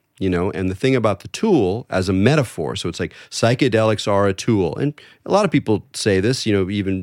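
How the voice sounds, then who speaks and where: An ordinary speaking voice from a man, fairly low in pitch and at a fairly quick pace, in a very clean recording with a silent background and a dry, close sound with no echo. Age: 50s. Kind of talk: interview conversation. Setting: studio.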